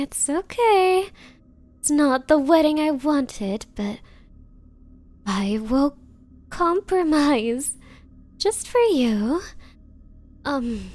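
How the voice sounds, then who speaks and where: A woman playing an obsessive, sweetly menacing yandere bride in an intimate ASMR roleplay, coy and cooing as she speaks to the listener. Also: sits high. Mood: coaxing, accommodating. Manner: coy, cooing, hesitant, falsely considerate.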